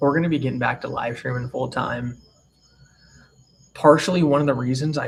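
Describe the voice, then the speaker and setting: Over noticeable background noise, a man speaks at a fairly quick pace and a medium pitch. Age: 20s. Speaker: spiritual content creator. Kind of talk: live stream chat answering comments. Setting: live stream. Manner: casual, filler-heavy (like, um).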